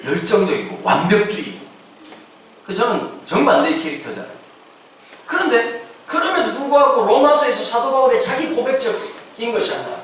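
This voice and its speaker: A man's voice: very high voice, big pitch swings, normal speed, a bit bright, slight background noise. A man preaching a playful, slangy sermon as pastor, acting out voices and laughing often. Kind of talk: lively youth sermon. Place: large church hall. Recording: echoey church hall from far off.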